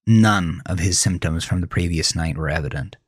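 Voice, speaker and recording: A man's voice: low voice, moderate pace, husky, dry recording. A man narrating a horror thriller story in a scripted, dramatic storytelling style. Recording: close dry voice over faint music. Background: faint music.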